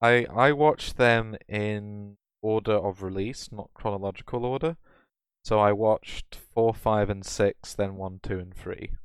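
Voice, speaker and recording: Against a quiet background, a man with an ordinary speaking voice talks fairly slowly in a fairly low pitch. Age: 20s. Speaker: gaming podcast host. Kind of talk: casual chat.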